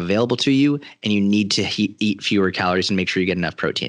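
Over a quiet background, a man with an unremarkable speaking voice talks at a fairly quick pace, fairly low in pitch with ordinary pitch variation. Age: 20s. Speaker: fitness coach. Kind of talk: interview.

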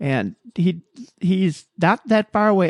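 The speaker is a man. The sound is dry and close, with no echo. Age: 70s. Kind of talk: casual chat.

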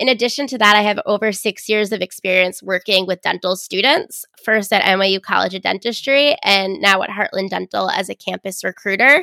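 Her voice is medium in pitch, with a bright, sharp tone and vocal fry. The woman talks at a fairly quick pace with hardly any pauses, in a dry, close sound with no echo. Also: ordinary pitch variation. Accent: American. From New York. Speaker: dental campus recruiter. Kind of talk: casual chat.

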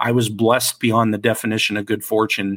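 An unremarkable speaking voice comes through in a Canadian accent. The recording is very clean, with a silent background. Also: man. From Canada, Timmins, northern Ontario. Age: 40s. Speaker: entrepreneur. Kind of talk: podcast interview.

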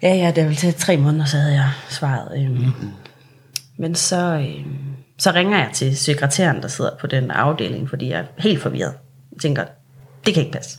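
A woman's very deep, low voice with vocal fry, a moderate pace, and long, frequent pauses. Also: ordinary pitch variation. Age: 20s. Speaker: bereaved parent. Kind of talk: testimony.

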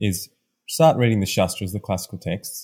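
A man speaks with a fairly low, dark and mellow tone that is somewhat breathy. The recording is very clean with a silent background. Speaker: podcast host interviewing. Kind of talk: casual interview.

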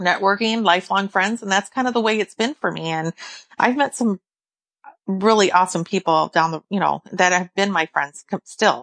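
At a moderate pace, a woman with a plain, everyday voice speaks at medium pitch with ordinary pitch variation in a dry, close sound with no echo. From Southern California. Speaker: credit repair specialist. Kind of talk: casual interview.

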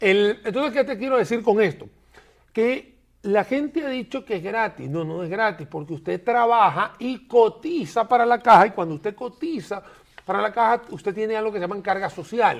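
Here a man speaks with a high pitch and lively intonation. He keeps a moderate pace. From Venezuela. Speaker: talk show host, finance commentator. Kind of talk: casual chat. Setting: Facebook Live stream.

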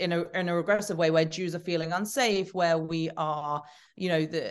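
At a moderate pace, a woman with a London accent speaks in a fairly low voice with fairly even intonation against a quiet background. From England, London. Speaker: podcast guest. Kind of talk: casual chat.

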